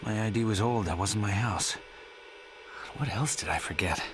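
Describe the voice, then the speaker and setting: A man's voice: lowish voice, moderate pace, natural voice. A man voice-acting a confused, worried father in a video game cutscene, in a naturalistic style. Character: confused, worried father searching for his daughter. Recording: game cutscene audio, faint noise.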